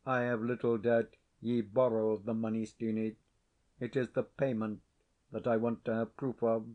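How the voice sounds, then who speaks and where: A man voicing a stern, cold Scottish laird who speaks in a measured, commanding way. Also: lowish voice, level tone, phone-quality sound, lightly acted.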